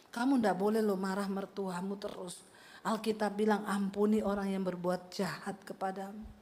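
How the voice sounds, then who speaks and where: Woman pastor, middle-aged, high bright voice, lively teasing sermon to a church congregation.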